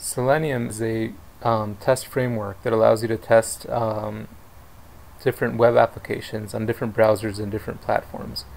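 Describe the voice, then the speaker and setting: A man mumbling at a moderate pace and medium pitch, in a monotone, flat delivery. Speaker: software developer. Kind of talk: software demo screencast. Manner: mumbling, hesitant with many fillers.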